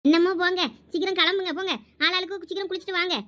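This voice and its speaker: Very high-pitched bossy woman. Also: flat delivery, very fast, fairly bright tone. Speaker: comedy skit creator. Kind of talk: comedy skit acting.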